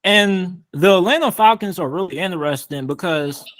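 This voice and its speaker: A man's voice: sits high, moderate pace, a bit bright, no echo, studio quality. A man hosting a casual sports show, interviewing a guest in a laid-back, slangy way full of "like" and "you feel me.".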